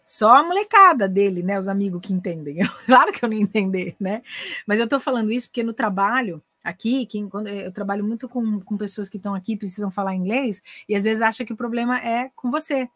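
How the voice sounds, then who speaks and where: A woman's voice: medium pitch, brisk, a bit bright, dry recording. A middle-aged woman with a Brazilian Portuguese accent, an English teacher and coach giving a casual online class. She acts out little dialogues and switches between Portuguese and English.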